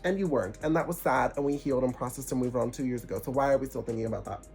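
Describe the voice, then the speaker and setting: A congested young man giving animated, preachy spiritual advice in a casual vlog, with sarcastic asides. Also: mid-range voice, very fast, vocal fry, loud music behind the voice. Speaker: vlogger.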